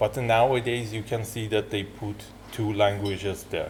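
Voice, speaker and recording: The speaker has an Iranian accent. Noticeable background noise runs under the voice. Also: man. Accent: Iranian (Persian) accent in English. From Iran, Tehran. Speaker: university researcher and migrant. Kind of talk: interview testimony. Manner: halting, with repeated words.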